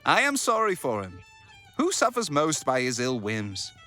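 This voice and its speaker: An actor playing a jovial, hearty, good-natured young nephew in a Victorian audio drama. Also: male voice, mid-range voice, moderate pace, soft background music. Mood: good-humoured, pitying. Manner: merry, hearty, animated.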